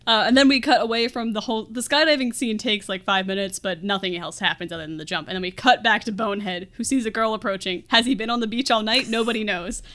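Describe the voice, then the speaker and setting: A woman's voice: mid-range voice, quick pace, hardly any pauses, a bit bright. A woman podcast co-host casually recapping a film in a wry, giggly, conversational way.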